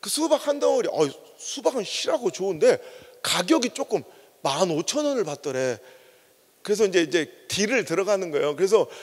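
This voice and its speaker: This man speaks at a fairly quick pace, and his pitch swings very widely. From Chungcheong, South Korea. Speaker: pastor. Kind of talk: sermon. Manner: fast; animated.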